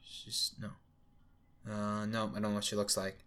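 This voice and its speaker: A young man from Canada who grew up speaking Cantonese, co-hosting a podcast in casual, animated, sweary chat. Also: lowish voice, normal speed. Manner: animated, swears freely, lots of "like". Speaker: podcast co-host.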